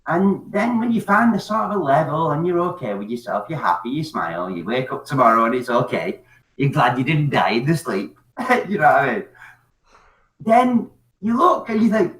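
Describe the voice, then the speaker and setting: A drunk man rambles on, swearing and laughing, with his pitch swinging widely. He sounds distant from the mic in an echoey room. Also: animated, fairly quick, fairly bright tone. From Scotland. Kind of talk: casual chat on an open call-in platform.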